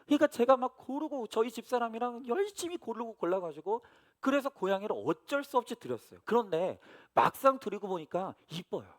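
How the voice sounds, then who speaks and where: Animated male pastor telling a story. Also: extremely high pitch, a little fast. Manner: storytelling with lively asides to the congregation. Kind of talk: sermon.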